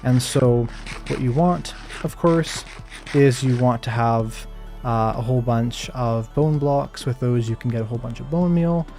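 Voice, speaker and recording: A man giving calm, soft-spoken live gameplay commentary while answering chat questions, with plenty of hedges and fillers. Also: mid-range voice, unhurried, soft background music. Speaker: Minecraft streamer.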